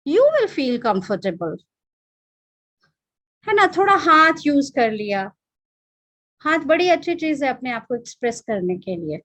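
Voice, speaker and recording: A woman's voice: high-pitched, big pitch swings, very fast, long pauses, a bit bright, dry recording. A middle-aged woman with an Indian accent, giving an online training lecture and mixing English with Hindi in an emphatic, instructive way. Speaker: employability trainer.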